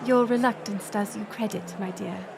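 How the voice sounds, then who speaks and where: A woman playing a gracious, resolute middle-aged queen in an audio roleplay, speaking in formal, stately, measured phrases. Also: medium pitch, steady tone, vocal fry, background noise, natural voice. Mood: earnest reassurance. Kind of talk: scripted audio roleplay acting.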